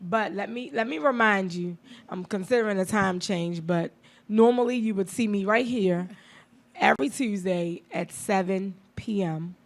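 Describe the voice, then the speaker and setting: A woman's voice: mid-range voice, moderate pace. A woman in her thirties hosting a radio talk show, chatty and blunt, laughing often. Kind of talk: casual chat.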